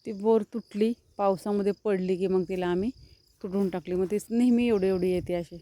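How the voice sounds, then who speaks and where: A woman's voice: medium pitch, fairly even intonation, a little fast, warm tone. A woman vlogger, chatting casually as she walks around her farm showing trees and cattle. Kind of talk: casual walk-around vlog narration. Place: outdoors on a rural farm among trees and cattle.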